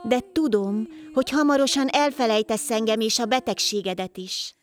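A woman voicing Life, a wandering healer, in a calm, measured storybook voice. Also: a little high, lightly acted.

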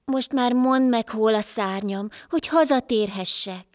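A woman's voice: fairly high pitch, dry recording, clean studio sound, lightly acted. Woman voicing a pleading winged wanderer. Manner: pleading, insistent. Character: winged stranger stranded, pleading then angry.

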